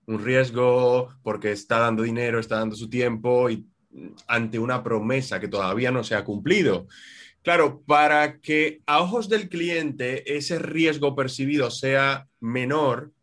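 A man from Spain with a Spanish accent, a communication trainer giving measured, instructive answers in an interview over a video call. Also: mid-range voice, a bit bright. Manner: measured, instructive, slows down on key words.

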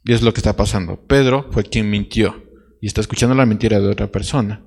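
A man's voice: fairly low pitch, fairly even intonation, quick pace, vocal fry, a little mellow. A man preaching a sermon as pastor, directly questioning his congregation.

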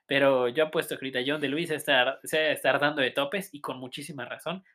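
A young man with a Mexican accent co-hosting a casual podcast, laughing often and talking in halting bursts full of fillers. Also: medium pitch, fairly even intonation, pushed and bright. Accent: Mexican Spanish. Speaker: podcast co-host. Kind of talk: casual chat.

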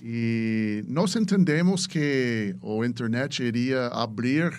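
American guy on a podcast, talks really slow, keeps hunting for words in his second language, mid pitch. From United States. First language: English. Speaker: podcast guest, venture capitalist. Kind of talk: casual podcast interview.

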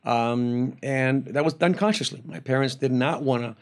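A man from Venezuela talks as a guest professor on a podcast. He explains things carefully at an even, middling pitch. He often pauses on fillers and restarts his sentences. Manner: measured, explanatory, with frequent filler hesitations and restarts. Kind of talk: conversational interview answers.

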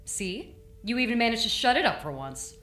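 A woman's voice: fairly high pitch, very animated, a little fast, a bit bright. An actress playing an anxious, sarcastic young woman exploring a station in an audio drama. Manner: sarcastic and worried. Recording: roomy echo with faint music.

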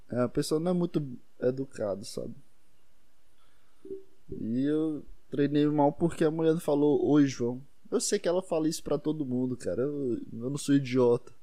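A young man with a Brazilian accent talks in a loose, rambling monologue, full of swearing and self-deprecating asides. His voice is soft and warm rather than bright. It sounds dry and close, with no room around it. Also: fairly high pitch, no echo. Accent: Brazilian Portuguese.

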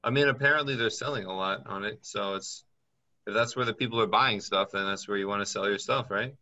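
A man's voice: on the low side, brisk, pushed and bright. A man working as a business consultant, talking in a chatty way and thinking aloud as he reads up on things during a call. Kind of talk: casual advice call.

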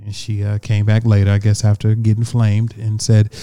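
Mellow, smooth-voiced young man hosting. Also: fairly low pitch, monotone, normal speed. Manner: laid-back, chuckling, lots of fillers. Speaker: podcast host. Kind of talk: casual chat.

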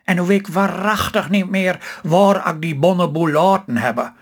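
A man's voice: sits high, normal speed, breathy edge. A man with a Stellingwerfs accent voicing a talkative, hopeful older farm wife in a read-aloud story. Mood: eager. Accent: Stellingwerfs Low Saxon.

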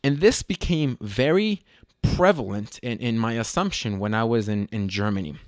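A man's voice: mid-range voice, moderate pace, dry recording, studio quality. A young man from Las Vegas telling a travel story in a rambling, slangy, self-correcting way. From Las Vegas, USA. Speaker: vlogger. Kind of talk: casual storytelling.

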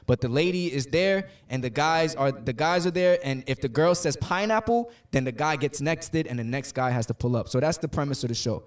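Late-20s male podcast host from New York, loose and joking, a bit off-mic. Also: on the high side. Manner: loose, joking, talks over the others. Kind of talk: casual chat. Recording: distant from the mic.

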